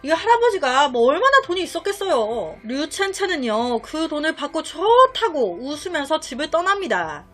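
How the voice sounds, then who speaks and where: A woman's voice: high-pitched, big pitch swings, moderate pace, hardly any pauses, fairly bright tone, faint music behind. A woman telling a crime story in a chatty way, with rhetorical questions and asides on what happens.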